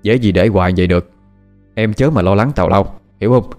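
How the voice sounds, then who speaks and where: A man's voice: fairly low pitch, quick pace, a little mellow, soft background music, lightly acted. A man voicing a young man who casually reassures a woman. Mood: reassuring.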